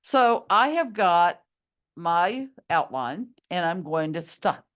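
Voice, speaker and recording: A middle-aged woman teacher who is losing her voice, slowly talking her class through each step of a screen-recorded tutorial. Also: lowish voice, lively intonation, fairly bright tone.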